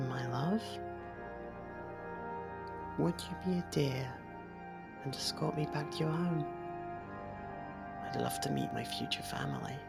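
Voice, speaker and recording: A woman voicing a possessive, softly menacing fairy royal in love, coaxing in an ASMR roleplay and slipping into whispers. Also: low-pitched, gravelly, exaggerated voice. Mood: tender, possessive.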